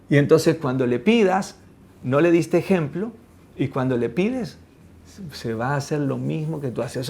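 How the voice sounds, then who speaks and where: Argentine pastor, fairly high voice. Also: male voice, a little mellow. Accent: Argentine Spanish. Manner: acts out quoted family dialogue in raised voices. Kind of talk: sermon teaching on family.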